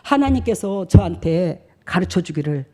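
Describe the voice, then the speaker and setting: Lively woman pastor preaching. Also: lowish voice, moderate pace. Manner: chatty storytelling, acts out dialogues. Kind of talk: sermon.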